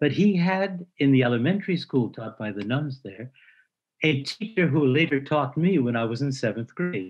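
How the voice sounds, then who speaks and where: A man with a fairly high voice and an American accent, pitch swinging very widely, at a moderate pace. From US Northeast, Gardner, Massachusetts. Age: 70s. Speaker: bishop. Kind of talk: interview storytelling.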